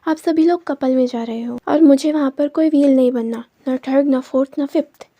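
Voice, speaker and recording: A woman's voice: high voice, a little fast, dark tone, dry recording. A woman voicing a sulky, lonely young man who complains, read in her storytelling voice.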